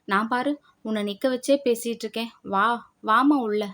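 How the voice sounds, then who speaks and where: A woman's voice: fairly high pitch, normal speed, fairly bright tone. A woman voicing a lonely, kindly elderly village grandmother who fusses and scolds in a motherly, chatty way. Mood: warm chatting.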